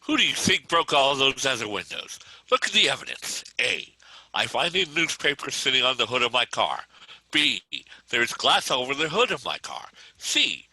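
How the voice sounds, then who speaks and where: Man acting irate suburban dad, forceful and sharp. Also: mid-range voice, no room sound, full character voice, rough recording. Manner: blustering, emphatic, exasperated. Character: irate, exasperated suburban father and husband, ranting, sarcastic. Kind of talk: script table read, comedic acting.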